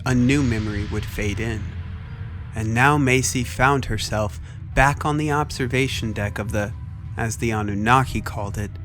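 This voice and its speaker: A man reading scripted, dramatic story narration as the narrator. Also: medium pitch. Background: prominent music.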